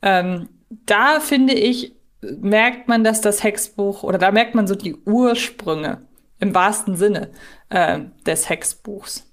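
A woman's voice: mid-range voice, slow. A woman co-hosting a podcast, explaining things thoughtfully in a casual discussion. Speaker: podcast co-host.

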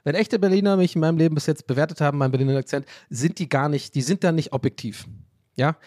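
A man from a German village, telling a story in a casual monologue, animated, self-mocking and rambling. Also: fairly high pitch, fast talker, no echo, studio quality.

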